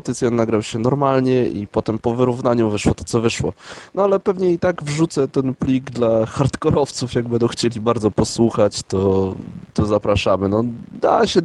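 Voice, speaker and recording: A man co-hosting a casual podcast, his voice at an ordinary middle pitch. He banters easily and is quick to push back on his co-host. His delivery is plain and conversational. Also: darkish tone. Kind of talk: casual chat.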